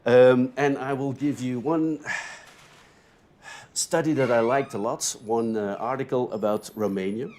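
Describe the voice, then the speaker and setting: A man whose first language is Dutch, speaking English with a Dutch accent while giving an opening lecture to graduate students. He thinks aloud as he goes, keeps checking in with a quick "no?", and swings between louder and softer phrases. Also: mid-range voice, steady tone, slight background noise. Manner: rises and drops sharply in loudness between phrases. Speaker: university lecturer.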